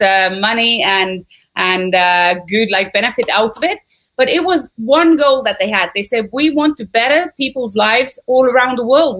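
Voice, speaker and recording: Estonian woman in her thirties, high voice, chatty live webinar host who greets viewers by name and country. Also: a bit bright, rough recording. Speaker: presenter of an online business webinar. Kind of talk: upbeat live webinar presentation.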